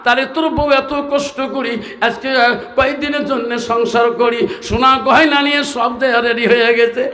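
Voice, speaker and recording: A man's voice: very high voice, fairly even intonation, a little fast, sharp tone, reverberant. A man voicing a tender, worried old mother who soothes her son with coaxing endearments. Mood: soothing.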